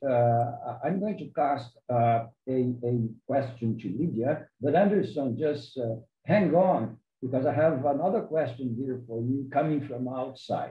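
A somewhat breathy man with a Brazilian accent talks at a fairly slow pace, with medium pitch and ordinary pitch variation. Audible room echo surrounds his voice. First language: Portuguese. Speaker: panel moderator, mining sector executive; panel moderator. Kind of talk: panel moderation; webinar moderation, asking questions. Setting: video call. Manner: halting. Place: home room.

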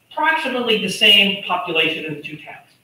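A man's raised, projected voice with an American accent, lively intonation and a fairly quick pace, in audible room echo. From Massachusetts. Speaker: public hearing testifier. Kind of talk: public testimony. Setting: public hearing room. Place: hall. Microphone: camera far.

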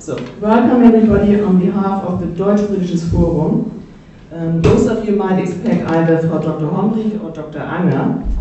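A woman speaks at a moderate pace with a fairly low pitch and ordinary pitch variation. Strong room echo and light background noise fill the recording. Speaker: event host introducing speaker. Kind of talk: event introduction. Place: hall.

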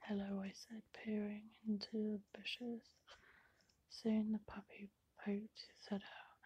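Someone soft-spoken talks at a fairly slow pace, with a dry sound and no echo. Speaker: reader of a children's book. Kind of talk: reading a story aloud. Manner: soft, hushed ASMR storytelling voice. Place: home room. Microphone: phone near.

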